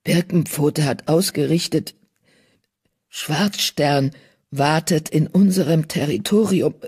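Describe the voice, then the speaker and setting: A narrator puts on a wounded tomcat chief in a storybook tale. His words come out husky and broken, strained as if choking for air. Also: mid-range voice, slow, a little mellow, full character voice. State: gasping, strained. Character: male cat leader, caught and choking.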